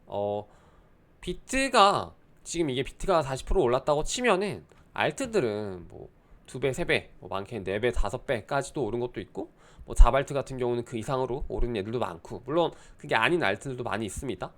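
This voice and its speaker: A man's voice: medium pitch, expressive, a little fast, a bit bright. A young man giving casual crypto market commentary, explaining at length with many hesitant fillers. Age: young adult.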